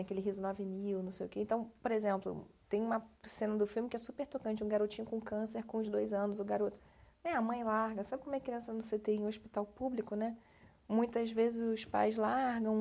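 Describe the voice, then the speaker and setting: Woman, Brazilian Portuguese accent, somewhat high voice, animated emotional storytelling, oral history interview, slightly dull lo-fi recording.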